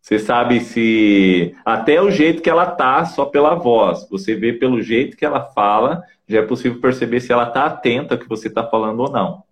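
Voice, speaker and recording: A man's voice: medium pitch, brisk, hardly any pauses. A man with a Brazilian Portuguese accent coaching on communication, in a didactic way that keeps checking in with short tags. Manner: didactic, peppers speech with "tá?" and "né?". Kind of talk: casual advice talk in an online interview.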